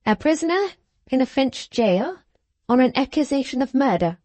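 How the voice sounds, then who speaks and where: A woman's voice: high-pitched, sing-song, a little mellow, no echo, voice pushed up. A woman voicing a stern, cold old mother. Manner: stern, unyielding, measured. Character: stern, cold older mother, a widow in a wheelchair.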